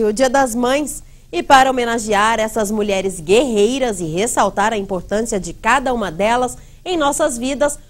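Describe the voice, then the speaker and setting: A young Brazilian woman presenting scripted news as an anchor in a TV studio. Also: a little high.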